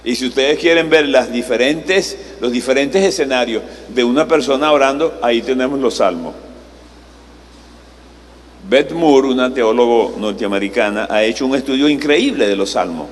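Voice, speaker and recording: A man's voice: mid-range voice, moderate pace. A male pastor preaching a sermon in a conversational way, posing rhetorical questions to the congregation. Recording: live sermon in a reverberant hall, faint noise.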